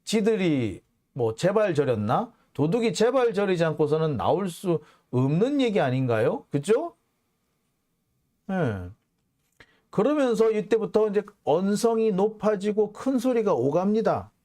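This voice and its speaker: A man's voice: high voice, sing-song, unhurried, mellow. A man hosting his own channel, giving an indignant news commentary monologue full of rhetorical questions. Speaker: journalist and channel host.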